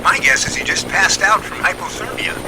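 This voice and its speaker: Man acting a shaken rescue crewman, loud helicopter noise. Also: sits high, wildly swooping pitch, brisk. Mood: wry, tense. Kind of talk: amateur audio drama acting.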